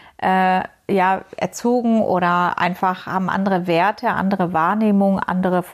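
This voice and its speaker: At a fairly slow pace, a woman talks with a medium pitch. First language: not German (speaking German). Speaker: podcast co-host, flight attendant. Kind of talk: casual chat.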